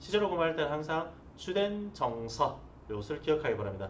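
Pitch swings very widely as a man talks at a fairly quick pace in a fairly high voice over light background noise. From South Korea. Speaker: Korean language tutor; Korean language teacher. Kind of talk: lecture. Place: classroom.

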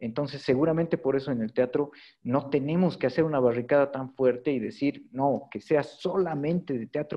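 A man's unremarkable speaking voice, medium in pitch with ordinary variation, at a moderate pace against a quiet background. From Bolivia. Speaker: theatre director; invited theatre artist on panel. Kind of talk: panel discussion. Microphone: video call.

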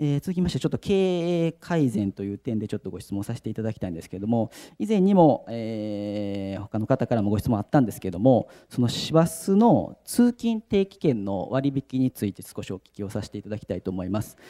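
A man speaks at a fairly quick pace with hardly any pauses, his tone dark and mellow. His loudness swings a lot, against a quiet background. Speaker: city councillor. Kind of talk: council committee questioning. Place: meeting room. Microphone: podium.

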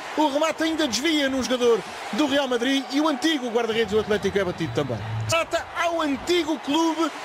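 An animated, excited tone with lively intonation, very even loudness and a fairly quick pace, over noticeable background noise. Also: man, extremely high pitch for a man. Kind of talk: live football commentary, play-by-play. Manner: animated, fast, excited on goals.

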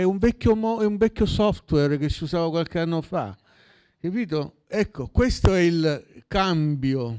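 A man with a high pitch and a dark, mellow tone at a fairly slow pace, quiet background. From Italy. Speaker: jazz writer and festival producer; panelist. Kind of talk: panel discussion. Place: hall. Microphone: handheld.

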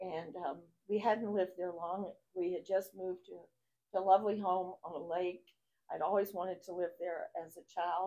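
Speaking at a moderate pace, a woman with a dark, mellow tone and medium pitch keeps a monotone, flat intonation while her loudness swings widely. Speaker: pastor. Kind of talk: testimony.

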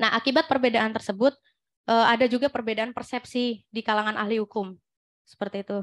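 Spoken at a fairly quick pace with fairly even intonation, the voice sits over a quiet background. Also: woman, fairly high pitch for a woman. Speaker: doctoral candidate, public prosecutor; candidate. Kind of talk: dissertation defense presentation. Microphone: headset.

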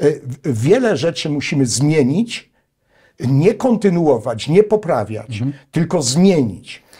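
Over a quiet background, a man speaks very slowly in a dark, mellow, somewhat breathy tone. His pitch is fairly high and swings very widely. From Poland, Tarnów (Lesser Poland); Poland. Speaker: mayoral candidate; candidate. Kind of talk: interview. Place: studio. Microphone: lapel.

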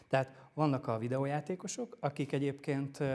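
Pitch variation is ordinary as a man talks at a moderate pace. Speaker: esports federation official. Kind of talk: panel discussion. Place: studio. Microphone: lapel.

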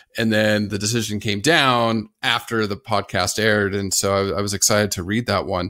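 Against a silent background in a very clean recording, a man speaks with a Californian accent. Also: fairly low pitch for a man, fairly even intonation, moderate pace. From Southern California. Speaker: podcast host. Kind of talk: interview.

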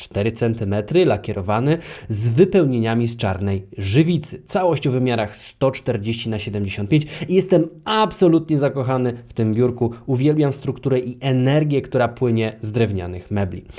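On a very clean recording with a silent background, a man with a dark, mellow tone and medium pitch speaks at a fairly slow pace with lively intonation. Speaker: YouTuber and entrepreneur. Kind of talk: desk setup video presentation. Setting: home office desk.

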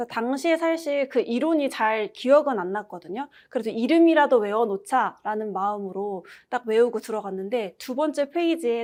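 A woman's normal speaking voice, fairly high in pitch, with lively intonation at a moderate pace, on a very clean recording with a silent background. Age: 30s. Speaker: exam passer giving testimonial. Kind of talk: testimony.

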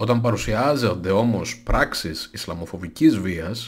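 A somewhat breathy man at medium pitch and fairly slow pace, against a quiet background. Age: 40s. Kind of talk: opinion commentary. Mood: critical, argumentative. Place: home room. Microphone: studio mic.

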